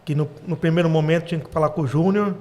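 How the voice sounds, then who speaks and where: A middle-aged man, a father and business owner, telling stories about his family company in a relaxed, casual interview. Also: a little high, fast talker. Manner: relaxed storytelling, laughs while telling anecdotes.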